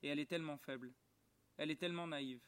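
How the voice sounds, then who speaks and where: A man reading aloud and speaking the lines of a gentle, earnest little boy prince in a soft, quiet voice close to his own, outdoors in a garden. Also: fairly high pitch, fairly even intonation, fast, smooth, natural voice. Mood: tender, sad.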